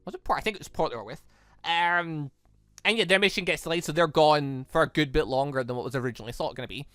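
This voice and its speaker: Man, gaming host, rambling casual commentary, bright forceful tone, faint music behind. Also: fairly high pitch, fast, no room sound. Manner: rambling, self-correcting asides. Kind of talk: casual let's play commentary, reading visual novel dialogue aloud. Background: game music.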